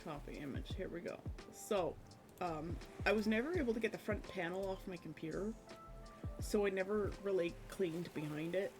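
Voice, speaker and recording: Woman streamer, casual rambling chat, slightly hoarse, fillers, soft music underneath. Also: fairly low pitch, moderate pace. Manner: chatty, rambling with many fillers, laughs often. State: slight cough, losing voice. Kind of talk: casual chat while gaming. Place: home room at her computer.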